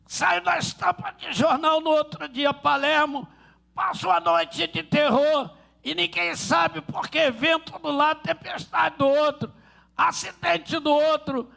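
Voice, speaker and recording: A pastor with a Rio de Janeiro accent preaching a fervent sermon and telling stories. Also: male voice, very high-pitched, fairly even intonation, a little slow, gravelly, pushed and bright. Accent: Rio de Janeiro Portuguese.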